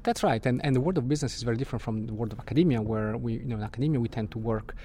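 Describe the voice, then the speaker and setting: A man's voice: mid-range voice, rapid-fire, warm tone, slight background noise. A middle-aged man from Switzerland, answering interview questions as a guest astrophysicist and often repeating words as he restarts.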